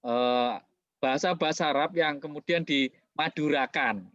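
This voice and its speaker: Dull-sounding, high-voiced male host. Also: a little slow, no room sound. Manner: warm, agreeable, frequent affirmations. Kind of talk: casual interview.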